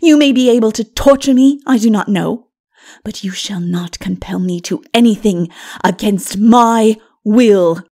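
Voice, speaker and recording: A woman voicing a proud, tyrannical princess in a dark fantasy audiobook, with a forceful, haughty delivery. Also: medium pitch, unhurried. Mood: furious defiance. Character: defiant proud wicked princess, tyrannical and unrepentant.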